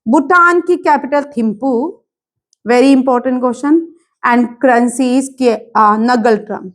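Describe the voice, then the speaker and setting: Woman, teacher, bright and high, asks a question then answers it, drilling class. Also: takes it slowly. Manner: mixes English terms into Hindi. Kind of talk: exam-prep current affairs lesson.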